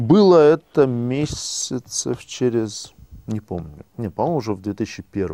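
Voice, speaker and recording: The sound is dry and close, with no echo at all. The speech moves at a fairly slow pace. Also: man. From Russia, Saint Petersburg. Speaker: entrepreneur. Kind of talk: interview. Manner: casual.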